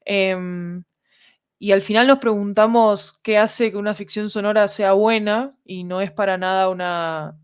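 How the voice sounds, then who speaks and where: A woman's voice: mid-range voice, steady tone, measured pace, smooth, no echo. Woman explaining, close dry sound. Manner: articulate, explains point by point in structured way. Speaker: interview guest, audio fiction creator. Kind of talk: explanatory interview talk.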